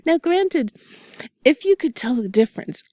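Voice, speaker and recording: A woman chatting softly and intimately to a listener close to the mic, playful and rambling, often slipping into a whisper. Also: sits high, animated, dry recording. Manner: soft and breathy, often dropping into whispers; playful, giggly, rambling and halting. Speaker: intimate audio performer telling stories to the listener. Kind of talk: intimate, cuddly ASMR-like chat. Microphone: close mic, dry sound.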